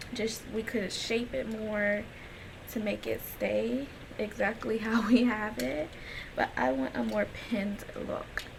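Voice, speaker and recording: There is noticeable background noise as a woman speaks at a fairly high pitch. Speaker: natural hair stylist. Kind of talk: hair tutorial talk to camera. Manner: low-energy, subdued.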